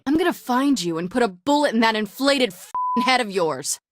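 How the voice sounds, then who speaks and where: A woman playing a furious young warrior princess, shouting aggressive threats in video game voice acting. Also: on the high side, animated, moderate pace, noisy background, lightly acted.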